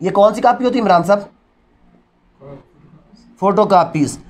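A woman's voice: medium pitch, measured pace, darkish tone. A woman with a Pakistani accent teaching a law class, posing questions and answering them herself, switching between Urdu and English terms. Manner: didactic, asks rhetorical questions and answers them; mixes Urdu with English legal phrases. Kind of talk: classroom lecture.

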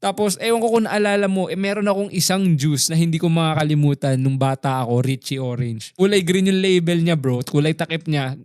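A man from the Philippines in his thirties co-hosts a casual podcast chat. He tells stories animatedly, often swearing in passing. His voice sits high, and the sound is dry and close. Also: fairly quick, hardly any pauses, smooth, dry recording. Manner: animated storyteller who acts out quoted voices, swears casually. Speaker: podcast co-host.

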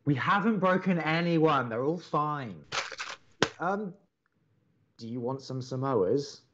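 An earnest young man co-hosting college radio in an audio drama. His delivery swings expressively in pitch as he placates and hesitates. The recording is a little muffled. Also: expressive, slow, fairly bright tone, exaggerated voice. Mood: hesitant. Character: soothing young male college radio co-host, earnest and conciliatory.

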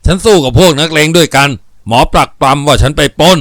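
A man's voice: a little high, fast, a bit bright, no echo, clean studio sound, close to an everyday voice. Man doing a mocking, vengeful old gunman. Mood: bitter.

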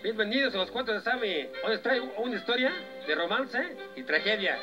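A man's voice: sits high, lively intonation, fairly quick, dull audio. A man with a Mexican accent hosting and telling a comic story, in a playful, slangy, chuckling way. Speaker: storyteller host. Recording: clear background music.

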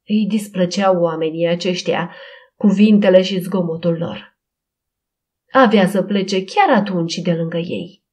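A woman narrating a Christian audiobook in a steady, expressive reading style. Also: fairly low pitch.

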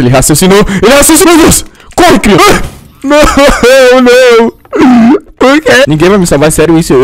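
Brief: male gamer, sore throat, cusses constantly, lively voice that leaps up high when caught. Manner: swears a lot, yells and shrieks when caught. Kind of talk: casual let's-play commentary.

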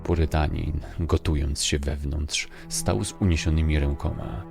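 Very deep, gravelly male narrator. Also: fairly even intonation, unhurried, a little mellow, faint music behind. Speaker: audiobook narrator. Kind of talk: scripted dramatic story narration.

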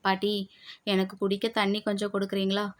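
A woman voicing a tearful, grieving young woman who speaks softly and hesitantly. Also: mid-range voice, completely flat delivery, fairly quick, lightly acted. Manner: soft, quiet, hesitant.

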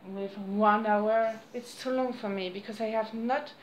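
A woman in her thirties with a French accent, chatting to camera at home in halting English, losing her voice. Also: mid-range voice, steady tone, echoey room, slight background noise, low-quality recording. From France. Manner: halting non-native English with frequent restarts and apologies. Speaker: crafts vlogger. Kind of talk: casual chat to camera. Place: small room indoors at home. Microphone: camera on a desk close by.

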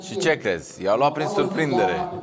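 A man's voice: medium pitch, big pitch swings, moderate pace, music in the background. A man presenting a TV show, tossing in short joking asides. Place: backstage area of a TV studio. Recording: audience noise behind.

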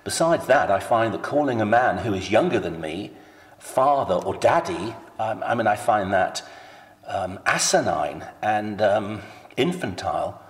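A man on a phone call who questions a church and recites scripture at length, earnest and persistent. His voice sits low. The recording carries a roomy, long-tailed reverb. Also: lively intonation, unhurried.

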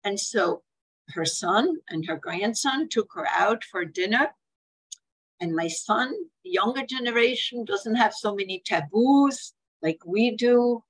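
A woman's voice: mid-range voice, lively intonation, slow, slightly rough, rough recording. An older woman with a Swiss accent talks on a video call from home. She speaks earnestly and tells stories, slipping into the voices of the family members she quotes. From Switzerland. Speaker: hospice speaker on care planning. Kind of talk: webinar talk with anecdotes. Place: home room, indoors.

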